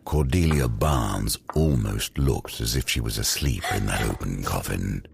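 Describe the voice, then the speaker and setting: A man playing the grave, ominous narrator of a gothic audio drama, deliberate and given to dramatic pauses. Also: extremely low pitch, gravelly, background noise, exaggerated voice. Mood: suspenseful.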